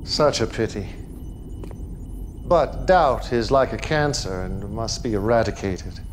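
An actor playing a commanding, manipulative cult leader in a game cutscene, theatrical, measured and imperious. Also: male voice, fairly low pitch, expressive, a little hiss or hum. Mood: cold regret.

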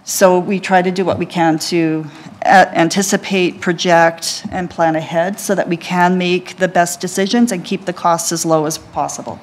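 A woman with a somewhat low voice lays out figures to a council in a steady, businesslike manner. She sounds like she's speaking into a desk microphone in a council chamber. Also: moderate pace. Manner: clear, explanatory, businesslike. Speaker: library system executive presenting to council. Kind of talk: formal presentation answers.

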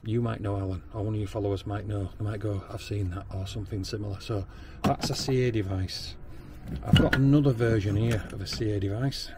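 Amid background noise, a man with a lowish voice and fairly even intonation speaks briskly. He's a Northern English plumber and backflow tester leading a practical plumbing demonstration at a workshop bench, walking through the steps with many ums and restarts.

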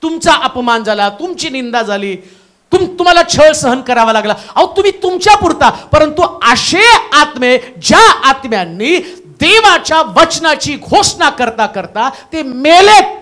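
A man preaching a Pentecostal sermon in a church, moving between loud calls and hushed asides and repeating the reader's words back. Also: extremely high pitch, sing-song, measured pace. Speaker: pastor.

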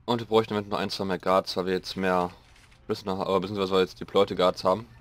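A young man with a slightly hoarse voice, rambling casually through gameplay commentary and mocking himself as he goes. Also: low voice, level tone, fast. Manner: rambling, self-mocking, thinking aloud. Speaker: let's play host.

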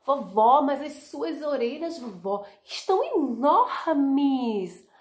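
A little girl in a red hood from a storybook, as a woman puts her on, speaking with a Brazilian Portuguese accent. Her voice jumps high and swoops around in lively, drawn-out exclamations. The sound carries the echo of a room. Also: heavily acted. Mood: alarmed. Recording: echoey room.

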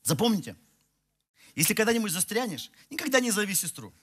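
Bright-voiced pastor telling a funny story. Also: male voice, high voice, very animated, fast talker, husky. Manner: chatty storytelling, self-mocking, many restarts; walks the stage, gesturing. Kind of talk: sermon with humorous personal story. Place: large church hall with audience. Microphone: headset mic.

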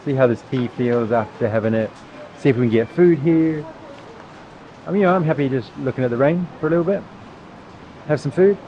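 A man's voice: mid-range voice, brisk, long pauses. A man in his thirties chatting casually to a handheld camera as a travel vlogger, rambling with lots of fillers, first on a bus and then at an open-air eatery. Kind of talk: casual vlog narration to camera. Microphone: handheld camera at arm's length. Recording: muffled, with loud rain and traffic noise.

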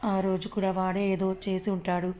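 A woman's voice: medium pitch, completely flat delivery, moderate pace, mellow, a little hiss or hum, lightly acted. A woman voicing a fierce middle-aged mother who defends her daughter in a defiant, scolding way.

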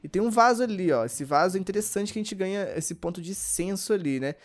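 A sleepy, worn-out man with a Brazilian Portuguese accent, giving let's-play commentary and yelping excitedly at the game. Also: sits high, fast talker. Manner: excitable, yelps and shouts at the game. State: sleepy and exhausted. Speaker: gaming YouTuber.

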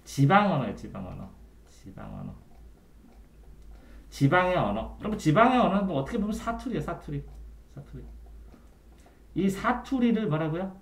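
Male tutor, animated delivery, keeps checking the student understands. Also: on the high side, normal speed, vocal fry, long pauses. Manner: trailing off quietly at the ends of phrases. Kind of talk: one-on-one Korean grammar tutoring. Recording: echoey room.

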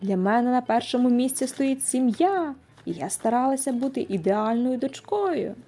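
A woman's voice: fairly high pitch, animated, moderate pace, dark tone. A woman voicing a strict, furious mother who has turned into a giant red panda, roaring and scolding.

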